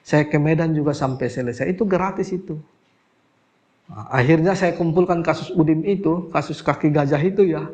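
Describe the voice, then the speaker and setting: Middle-aged male healer, interview storytelling; lively quoted voices, sinks low and soft when recalling hardship. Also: moderate pace. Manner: animated, acts out quoted voices, voice drops when recalling crying. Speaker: alternative healer. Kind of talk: emotional personal storytelling.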